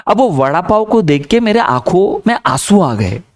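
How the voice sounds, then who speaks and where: A man teacher, telling stories casually and joking with his class while slipping into English. His voice sits a little high for a man. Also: sing-song, normal speed. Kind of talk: lively classroom storytelling.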